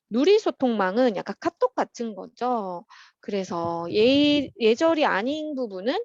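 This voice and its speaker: Lively woman teacher, dry lo-fi sound. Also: on the high side, no echo. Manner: patient and chatty, opens steps with "자" and fills pauses with "어". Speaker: teacher at a private academy. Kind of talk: explaining workbook answers to children.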